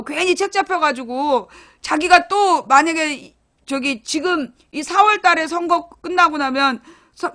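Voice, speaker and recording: Woman doing a chatty live stream, high bright voice, blunt, swears a lot, teases her viewers. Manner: storytelling, animated retelling. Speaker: internet broadcaster.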